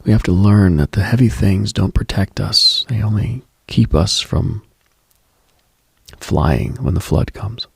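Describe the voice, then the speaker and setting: Speaking unhurriedly, a man with a deep, vocal-fry-laden voice gives a hushed late-night radio monologue about spiritual things, his delivery extremely husky and breathy. It's studio quality with no room sound.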